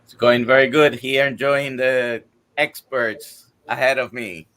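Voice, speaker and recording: A man in his sixties, a guest doctor, telling his own health story on a live stream in a halting way, with many fillers, listing items one by one. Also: mid-range voice, steady tone, a bit bright. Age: 60s. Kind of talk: casual testimony on a live stream.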